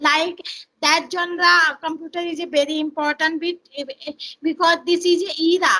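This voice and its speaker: A woman with an Indian accent uses a raised, projected voice with an extremely high pitch and a bright, sharp tone. Her intonation stays flat and monotone. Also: moderate pace. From North India, Uttar Pradesh. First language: Hindi. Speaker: teacher and English learner. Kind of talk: English conversation practice. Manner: halting.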